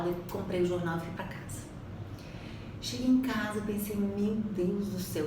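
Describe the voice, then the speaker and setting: Chatty Brazilian woman in an echoey room. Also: low voice. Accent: Brazilian Portuguese. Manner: animated, chatty, acts out quotes. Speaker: public speaking coach. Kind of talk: casual storytelling to viewers. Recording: echoey room, distant mic, background noise.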